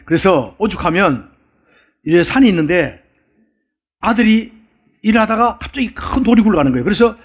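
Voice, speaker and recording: Husky-voiced pastor preaching with folksy jokes. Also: male voice, sits high, expressive, moderate pace, long pauses. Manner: folksy storytelling with jokes and questions to the congregation. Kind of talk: sermon. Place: church sanctuary.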